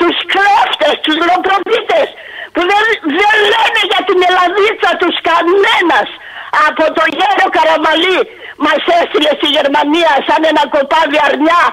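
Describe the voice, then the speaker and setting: A woman speaks in an extremely high pitch at a fairly slow pace, her tone animated and her pitch varying in an ordinary way. Her loudness stays very even, with noticeable background noise behind her. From Greece, Achaea (Peloponnese). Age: 70s. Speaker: caller. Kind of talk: angry call-in rant.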